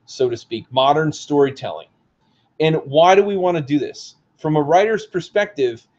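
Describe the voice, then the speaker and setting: Man with a hoarse, fairly high voice, author reading his own book aloud, casual asides, dull lo-fi recording. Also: a little mellow. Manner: casual asides between read passages.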